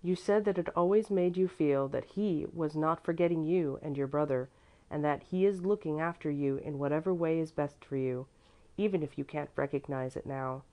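A woman reading the part of a kind, wise motherly woman who speaks tenderly and calmly to comfort a child. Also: fairly low pitch, moderate pace, highs cut off. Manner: tender, calm, reassuring.

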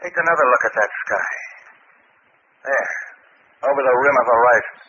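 Man playing a bold, forceful old-radio spaceman. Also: mid-range voice, brisk, natural voice. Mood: tense, urgent. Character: bold, impulsive male spaceman eager to take risks. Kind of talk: 1950s radio drama acting. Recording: dull, noisy 1950s radio recording.

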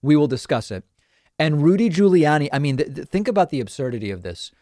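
A man's voice: a little high, very animated, fast talker, dark tone, dry recording, clean studio sound. A man hosting a political talk show with a southern western New England accent, talking in a chatty, digressive way with frequent restarts. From grew up in southern western New England. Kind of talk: casual monologue.

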